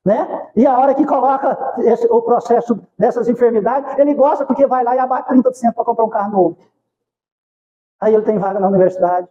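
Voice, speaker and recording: In a spiritist centre hall, a Brazilian spiritist lecturer with a Brazilian Portuguese accent gives an informal talk full of folksy stories, acted-out dialogue and rhetorical questions. His voice is extremely high-pitched, brisk and mellow, and the audio is dull.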